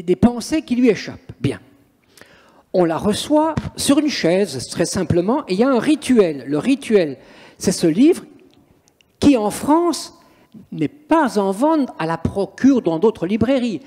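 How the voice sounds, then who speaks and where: Emphatic priest, high lively voice. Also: male voice. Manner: emphatic, theatrical storyteller. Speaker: priest and exorcist. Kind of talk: interview, storytelling. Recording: long reverberant room echo.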